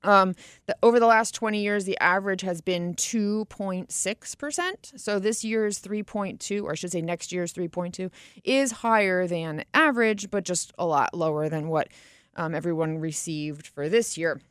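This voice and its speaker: A woman's voice: on the low side, moderate pace, clear, resonant tone, no room sound, clean studio sound. A woman radio host and financial advisor talking in a chatty, casual way, laughing easily.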